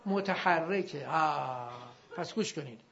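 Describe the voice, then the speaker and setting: A male teacher giving a classroom grammar lesson, drilling his students and drawing out example words slowly. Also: on the high side, vocal fry, fairly bright tone. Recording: dull lo-fi recording.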